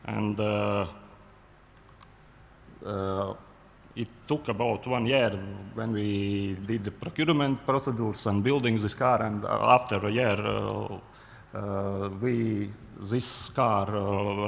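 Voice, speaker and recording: A man with a Latvian accent giving a technical conference presentation, halting with many fillers and restarts. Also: lowish voice, steady tone, vocal fry, a little hiss or hum. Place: large conference hall. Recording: long hall reverb, faint ambience.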